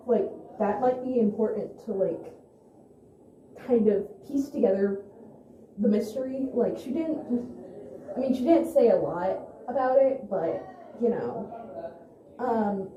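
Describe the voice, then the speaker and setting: A woman playing an awkward, hesitant young amateur investigator who talks haltingly in a found-footage vlog. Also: a little high, dull audio. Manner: halting, hesitant, full of restarts. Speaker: video host and interviewer. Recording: roomy echo, faint noise, handheld camera.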